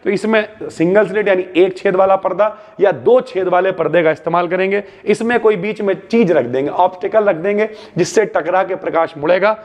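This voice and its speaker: High-voiced chatty male physics teacher. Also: fairly quick, hardly any pauses, a little mellow. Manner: chatty, calls students bhai and bhaiya, keeps asking ठीक है; explains with homely everyday examples. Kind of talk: exam-prep lecture.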